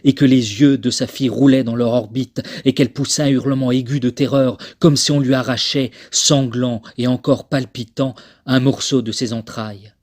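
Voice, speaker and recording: A man, a voice actor, delivering scripted narration in a theatrical, measured manner. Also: mid-range voice, fairly even intonation, darkish tone. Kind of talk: scripted dramatic narration for a demo reel.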